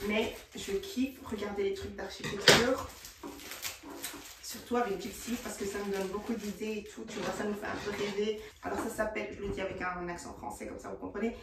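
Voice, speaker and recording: A young woman chatting casually to her viewers in a vlog, excitable, slipping in English slang. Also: mid-range voice, echoey room, distant mic, background noise. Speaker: vlogger.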